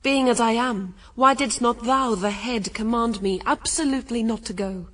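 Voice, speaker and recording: An actress playing Eve, a wounded, defiant first wife, in formal, reproachful verse radio drama. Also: female voice, fairly high pitch, normal speed, a bit bright, far from the mic. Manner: formal, reproachful, archaic rhetorical questioning.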